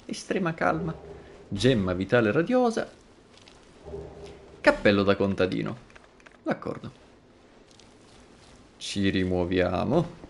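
A man talks through a video game on a live stream, joking and swearing as he plays. His voice swoops widely in pitch while his pace stays slow and drawn out. A faint hiss of background noise sits under the recording. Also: vocal fry. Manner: animated, swearing, jokey asides. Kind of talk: live gameplay commentary.

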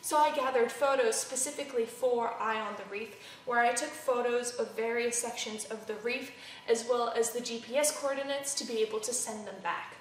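A woman's voice: on the high side, fairly even intonation, moderate pace, hardly any pauses, a little hiss or hum. A woman narrating her ocean vlog in a plain, explanatory storytelling way. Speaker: ocean vlogger. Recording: roomy sound from far off.

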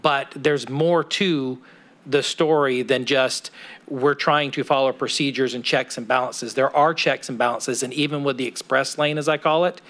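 A man's voice: mid-range voice, a bit bright. A middle-aged man speaking as a city council member in a council chamber, arguing his point step by step. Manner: persuasive, argues point by point. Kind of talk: council meeting remarks. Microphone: desk microphone.

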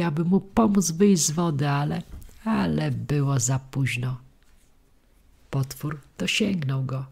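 A woman narrating a children's fairy tale audiobook in a dramatic, expressive way, slowing and speeding for suspense. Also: low-pitched, vocal fry, husky. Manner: dramatic, varies tempo for suspense.

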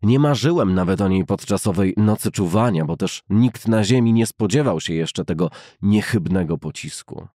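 A man reading a classic novel as an audiobook narrator, in a measured, carefully enunciated way. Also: fairly low pitch, lively intonation, dark tone, dry recording, clean studio sound.

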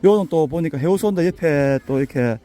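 An older man talks in a thick Busan dialect, his voice hoarse and slightly raspy. He chats and jokes in a folksy, easygoing way as he climbs a mountain path outdoors. His tone is mellow and dark. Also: on the high side, brisk. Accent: Busan Gyeongsang dialect. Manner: chatty, joking, folksy. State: out of breath from climbing. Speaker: vlogger touring local alleys. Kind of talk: casual walking vlog.

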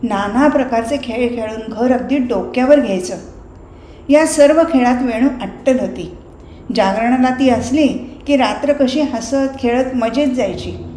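Mellow woman narrating a novel. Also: on the high side. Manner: measured, expressive storytelling. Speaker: reader. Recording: roomy recording, faint noise.

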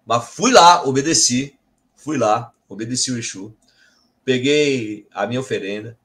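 A middle-aged man tells a personal story to his viewers. His voice sits at a middle pitch, and his tone is earnest. He often stops to correct himself. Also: measured pace, fairly bright tone. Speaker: Umbanda medium and channel host.

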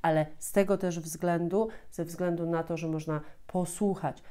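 A Polish language teacher in her thirties hosts an explanatory talk from a small furnished room at home, often repeating and rephrasing as she goes. Her voice sits on the low side, warm and steady, at a normal speed.

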